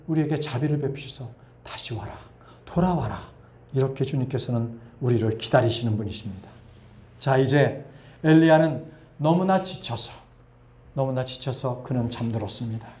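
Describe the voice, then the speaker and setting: A middle-aged male pastor preaching an earnest sermon, sometimes softly voicing God's gentle words. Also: medium pitch, normal speed. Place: church sanctuary. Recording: echoey church hall.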